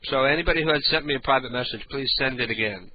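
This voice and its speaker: An older man runs a casual late-night radio show full of profanity, rambling through tales in a raspy, booming, congested voice and clearing his throat often. He goes a little fast, and the lo-fi audio carries a faint hiss or hum.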